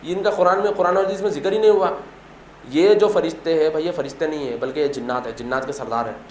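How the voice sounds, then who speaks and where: A man's voice: on the high side, steady tone, quick pace, slight background noise. A man giving a religious storytelling talk, emphatic and repetitive, often posing rhetorical questions. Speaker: religious speaker. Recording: echoey room, faint ambience.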